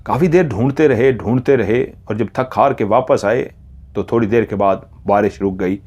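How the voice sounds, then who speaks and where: A man narrating a horror story in a slow, hushed, dramatic way. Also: lowish voice, slightly rough.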